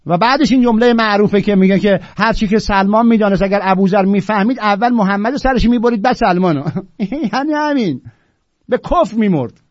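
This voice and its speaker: A man giving an impassioned lecture on Sufi poetry, swinging from loud declaiming to low, blunt, mocking asides. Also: no echo, highs cut off.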